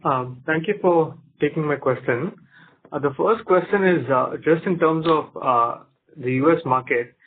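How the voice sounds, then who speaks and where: Analyst man asking clear questions, higher voice, tinny phone line. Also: unhurried, a little hiss or hum. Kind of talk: earnings call question.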